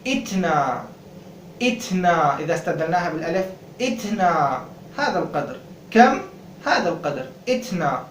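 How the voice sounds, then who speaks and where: A man teaching an Urdu lesson, repeating word pairs slowly and lifting his voice on each drilled word. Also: lively intonation. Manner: repeats words slowly, raising pitch on the drilled words. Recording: roomy, distant mic, faint noise.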